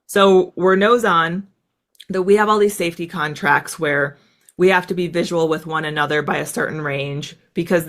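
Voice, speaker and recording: A woman in her thirties from the United States, a guest in an interview, telling stories in a quick, animated way with plenty of "like" fillers. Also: deep voice. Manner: fast, animated, lots of "like" fillers. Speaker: guest, former fighter pilot. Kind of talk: casual storytelling interview.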